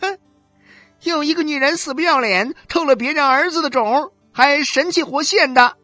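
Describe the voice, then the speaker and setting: A woman's voice: high voice, moderate pace, pushed and bright, dry recording, faint music behind, pitched above the performer's own voice. A woman voicing a thin, cold, spiteful rival wife who sneers in a storybook. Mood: sneering.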